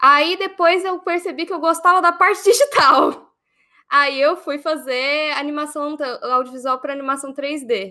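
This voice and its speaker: A woman's raised, projected voice, high in pitch and bright and sharp in tone, with ordinary pitch variation at a fairly slow pace on a very clean recording with a silent background. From Minas Gerais, Brazil (Uberaba). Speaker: marketing professional. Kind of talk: podcast interview. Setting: live-streamed podcast.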